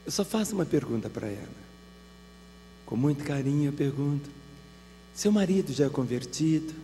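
A man's voice: a little high, expressive, moderate pace, mellow, long reverb tail, slight background noise. A Brazilian man preaching a sermon as pastor, telling vivid pastoral anecdotes. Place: large church hall.

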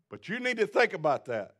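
Gravelly and medium-pitched, with a fairly bright tone and a breathy edge, a middle-aged man preaches from a small church stage. Before his seated congregation he moves back and forth gesturing widely, growing more intense and hammering home repeated lines.

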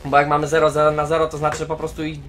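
Young guy rambling over a farming game, voice a bit on the high side, faint game music under it. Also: monotone, fast, fairly bright tone. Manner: chatty, talks straight to viewers as "mordeczki", many fillers. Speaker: gaming YouTuber. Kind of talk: casual let's-play commentary.

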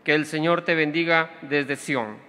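A young man recites the psalm at an outdoor Mass in a clear, even way. His tone is bright and pressing, pitched a bit high. A long reverb from the sound system follows his words. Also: measured pace. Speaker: psalm reader. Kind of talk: reading a responsorial psalm. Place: outdoor tented stage. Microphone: stand microphone. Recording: reverberant public address sound.

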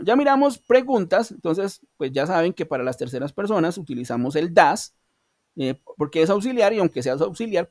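Teaching English online, this Colombian-accented man moves patiently through each step and keeps checking in with students, frequently asking "¿sí?". His voice is on the high side and darkish, in dry studio-quality audio.

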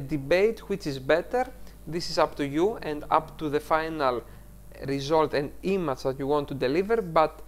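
A man with a Greek accent hosting a photo-editing tutorial, explaining each step over a screen recording and correcting himself as he goes. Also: fairly high pitch. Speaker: tutorial host.

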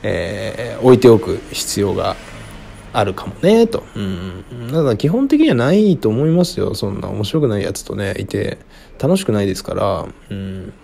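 Guy rambling thru listener questions solo, pitch jumps all over, mumbles off at the ends. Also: normal speed, vocal fry, a little hiss or hum. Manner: rambling, frank, with frequent fillers and chuckles; lively, wide pitch swings. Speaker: radio-style show host answering listener questions. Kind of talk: casual solo talk answering questions.

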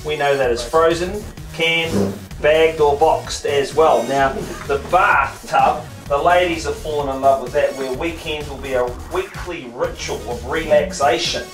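A middle-aged New Zealand man runs a house auction with brisk, wisecracking patter, his voice sitting a touch high. He is picked up from across an echoey, crowded room rather than close to a mic. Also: far from the mic, over music. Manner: quick joking banter, rhythmic bid calling. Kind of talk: live property auction patter. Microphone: far camera, no mic.

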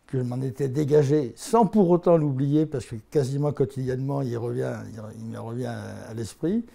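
A man's voice: medium pitch, gravelly, dark tone. A man in his eighties from the Haut-Morvan, telling his life story in a filmed interview, rambling and self-mocking, laughing often and restarting his phrases. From Haut-Morvan, France. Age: 80s. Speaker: interviewee, anthropologist. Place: office with bookshelves, indoors. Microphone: lapel mic.

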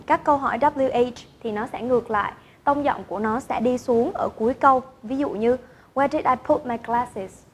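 In an online lesson, a female English teacher explains intonation rules and models example sentences. Her voice sits high, with a somewhat dark, breathy quality.

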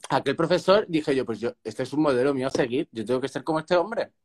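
A man's voice: medium pitch, quick pace. Young man from Málaga telling stories. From Málaga, southern Spain. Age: young adult. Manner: expressive storyteller, animated. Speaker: guest. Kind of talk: casual video chat, telling anecdotes. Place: indoor room at home. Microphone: phone at arm's length on a video call.

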